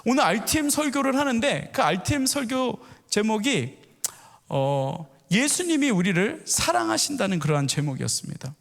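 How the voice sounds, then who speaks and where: A man's voice: high-pitched, sing-song, normal speed, creaky. A middle-aged male pastor giving a storytelling sermon that asks the congregation questions. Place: church sanctuary. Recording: echoey church hall.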